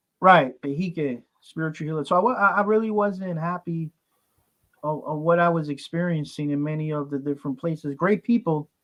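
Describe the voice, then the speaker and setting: Talking at a fairly quick pace with a Brooklyn accent, a man has a fairly high pitch and ordinary pitch variation. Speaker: medicine man and spiritual healer. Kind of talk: interview. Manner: halting.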